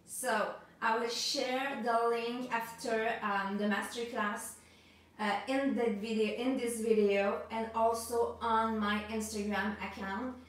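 A woman's voice: on the high side, steady tone, slow pace. A woman in her thirties with a French accent, hosting a live art masterclass and greeting viewers, hesitant with many ums and restarts. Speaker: art instructor hosting a livestream. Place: home studio room with art supplies on a table. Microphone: camera a few feet away. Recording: echoey room, voice from a distance.

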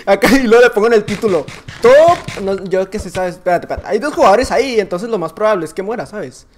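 Excitable Mexican gamer man, slangy. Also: high voice, fast talker, a little hiss or hum. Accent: Mexican Spanish. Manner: excitable, slangy, often shouts and laughs. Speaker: gaming YouTuber. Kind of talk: casual gameplay commentary.

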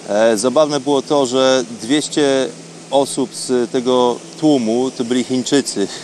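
A man with a mid-range voice delivers an unscripted diary-style monologue as a programme host. He phrases things haltingly and reflectively. Faint ambient noise sits behind the voice. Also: medium pitch, darkish tone.

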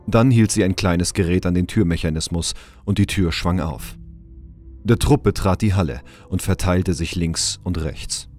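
A man's voice: sits low, moderate pace, darkish tone, faint music behind. A man giving scripted narration for an audio drama.

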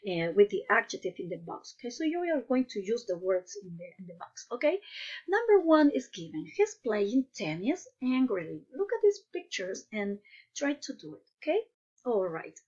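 A woman's voice: fairly high pitch, husky, lo-fi sound. A woman teaching English to young children in a patient way, asking questions and praising each answer. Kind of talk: online class lesson.

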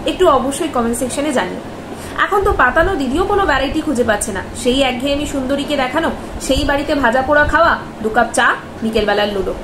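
A young woman, talking to camera in a commentary vlog and firing off indignant rhetorical questions. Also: sits high. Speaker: vlogger. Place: bedroom, indoors. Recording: echoey room with background noise.

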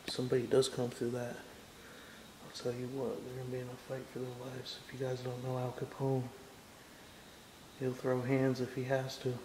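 A young man explores a large, empty abandoned house and narrates to his camera at a moderate pace, his mid-range voice completely flat and a bit dark. He is awed and nervous, sometimes calling out, sometimes whispering. Recorded on a handheld camera mic, the empty rooms echo over a faint hiss.

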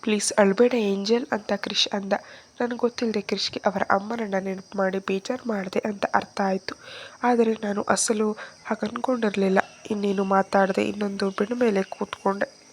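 Woman storyteller, emotional first-person narration, medium pitch. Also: little pitch movement, normal speed, slight background noise.

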